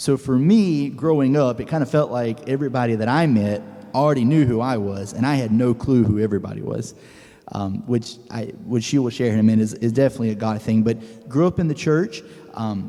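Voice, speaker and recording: In an American accent, this is an ordinary speaking voice with ordinary pitch variation, moving at a fairly quick pace. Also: man, medium pitch for a man. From Florida Panhandle. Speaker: church member. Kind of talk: testimony.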